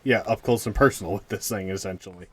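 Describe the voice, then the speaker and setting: Low-voiced man thinking aloud at game table. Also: fast, fairly bright tone, husky. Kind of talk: casual game-table chat.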